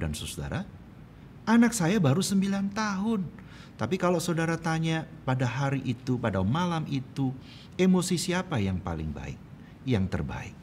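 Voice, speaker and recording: A man's voice: mid-range voice, a little mellow, slight background noise. A middle-aged man preaching a sermon as pastor, telling personal stories and building to fervent emphasis. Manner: storytelling, swelling to fervent emphasis.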